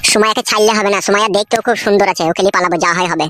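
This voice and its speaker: A woman's voice: mid-range voice, steady tone, racing, fairly bright tone, no room sound, lightly acted. A woman voicing a foul-mouthed, scheming young village husband in a cartoon comedy. He is crude and quarrelsome. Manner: crude, quarrelsome, wails when beaten.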